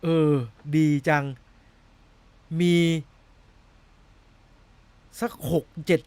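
A man's voice: very slow, darkish tone, no echo. A young man hosting a casual film-news chat, rambling and laughing at himself as he fumbles over a name. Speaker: movie news host.

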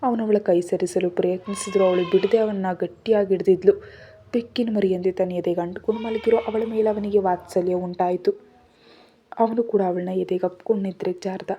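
A woman reads a romance story aloud at a steady, even pace, at a middle pitch. The recording has a dull, lo-fi sound. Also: slight background noise. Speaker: narrator. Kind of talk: scripted romance story narration. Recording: dull lo-fi audio.

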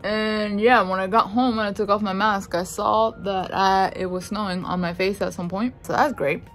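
A woman's voice: mid-range voice, fairly even intonation, normal speed, soft background music. A woman beauty vlogger chatting casually through a product review, with slang and playful asides.

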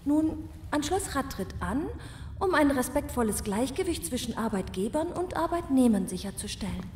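A woman playing a polite, eloquent castle servant in a comic fairy-tale audio drama, formal and smoothly official. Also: high-pitched, big pitch swings, normal speed, a little mellow, reverberant, a little hiss or hum. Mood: formal, persuasive.

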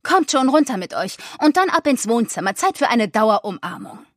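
A woman's voice: a little high, very animated, moderate pace, no room sound, studio quality. A woman reading as a stern tired mother. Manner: firm, no-nonsense commands. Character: stern weary mother of two kids. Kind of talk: audiobook reading.

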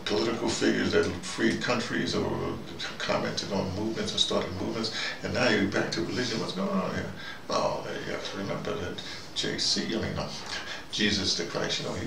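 The sound is roomy, with a distant microphone and noisy ambient background. An older man with a fairly low, creaky voice gives a digressive, conversational opinion monologue to camera as a video diarist, musing and frequently questioning himself.

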